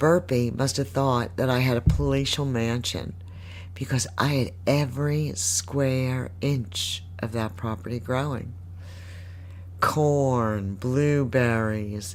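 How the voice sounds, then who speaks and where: Speaking at a very slow pace, a woman with a very deep, low pitch uses lively intonation while audible room echo surrounds her. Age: 60s. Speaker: gardening podcast host. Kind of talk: casual monologue podcast. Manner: animated.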